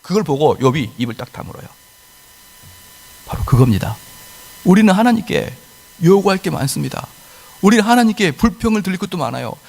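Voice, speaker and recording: A man's voice: high-pitched, very animated, a little fast, gravelly, long pauses, darkish tone, in a large hall. A male pastor preaching a sermon emphatically, with rhetorical questions and acted-out quotes. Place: church sanctuary.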